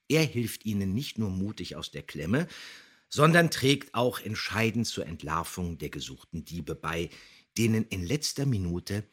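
A man's voice: deep voice, fairly bright tone, breathy edge. A man co-hosting a podcast, chatting casually and reading out with expression. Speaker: podcast co-host.

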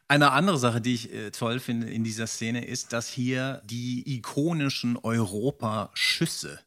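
A man's voice: mid-range voice, takes it slowly, fairly bright tone. A middle-aged man chatting casually as a podcast host, inquisitive and enthusiastic about his subject.

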